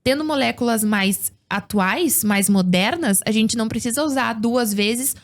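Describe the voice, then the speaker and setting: A woman's voice: fairly high pitch, measured pace. A woman speaking as a guest agricultural producer, explaining things in a casual podcast chat and often tagging sentences with questions. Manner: explanatory, frequent tag questions.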